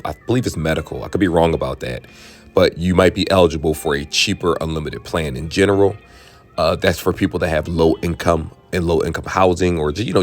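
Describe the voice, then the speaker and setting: A man hosting a tech channel, chatting casually and frankly to viewers, his voice worn hoarse. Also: low-pitched. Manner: chatty, frank, drifts into asides. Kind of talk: casual explainer talking to viewers.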